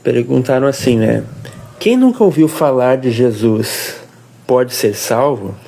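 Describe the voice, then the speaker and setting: A man from Brazil, explaining a faith question on a casual family devotional livestream, with pauses and restarts. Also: mid-range voice, animated, creaky, mellow. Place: home livestream.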